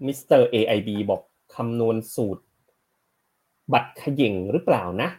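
A man's voice: mid-range voice, expressive, normal speed, warm tone, breathy edge. A man hosting a casual live stream about stocks, chatting with viewers and explaining news headlines, slightly short of breath. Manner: chatty, rambling, reads headlines aloud and explains them. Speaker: host of a stock market live show.

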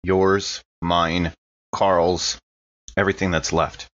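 A man with a low voice plays a tabletop roleplaying game. He shifts casually between describing actions and speaking in character. The recording is a little dull and muffled. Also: flat delivery, slow, fairly bright tone. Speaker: player in a tabletop roleplaying podcast.

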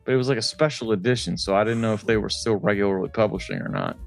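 A man's voice: on the low side, very animated, fast, vocal fry, soft background music. A man co-hosting a podcast, chatting informally in a slangy way. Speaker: podcast host. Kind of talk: casual chat.

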